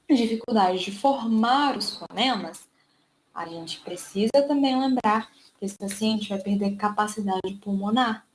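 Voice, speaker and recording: A woman with a Brazilian Portuguese accent, a speech therapist giving an online lecture and drawing out key words slowly to explain them. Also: fairly high pitch, slight background noise, poor audio.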